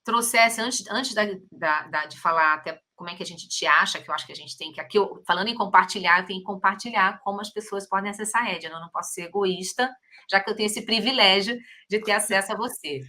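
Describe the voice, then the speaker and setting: A middle-aged woman with a Brazilian Portuguese accent hosts a relaxed podcast chat. Her voice is bright and sharp at a middle pitch. She is effusive and exclaims often. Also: quick pace. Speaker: podcast host. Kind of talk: casual interview chat.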